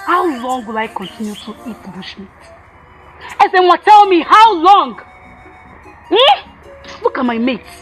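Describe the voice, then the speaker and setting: A woman's voice: high-pitched, very animated, measured pace, pauses often, a bit bright, faint music behind, exaggerated voice. A woman playing a fed-up Nigerian village wife. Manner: scolding, complaining.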